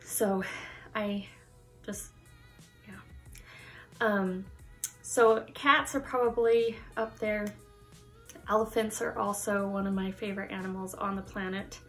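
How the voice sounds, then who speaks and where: A young woman from the United States chatting casually to the camera in her vlog, lively and laughing often. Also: medium pitch, takes it slowly, pauses often, soft background music. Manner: chatty, laughs often, animated hand gestures. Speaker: YouTuber. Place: Halloween-decorated room indoors.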